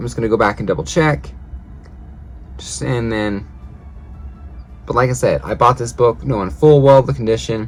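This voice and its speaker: Over music in the background, the speaker moves at a moderate pace with long, frequent pauses. The pitch swings very widely. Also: man, fairly low pitch for a man. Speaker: comic book collector YouTuber. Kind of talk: casual unboxing video monologue. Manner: halting, self-correcting.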